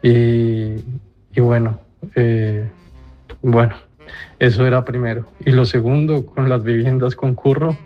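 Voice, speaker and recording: A man's voice: mid-range voice, level tone, slow pace, lo-fi sound, soft background music. A man with a Colombian accent leaving a casual spoken message, speaking in a hesitant, reflective and earnest way. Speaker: call-in listener leaving a message, personal trainer.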